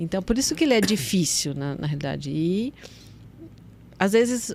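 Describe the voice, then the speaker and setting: A woman talks at a moderate pace with a medium pitch. Her pitch swings very widely. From Brazil, Sorocaba (born in Argentina). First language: Spanish (speaking Portuguese). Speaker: HR manager. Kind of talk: podcast interview.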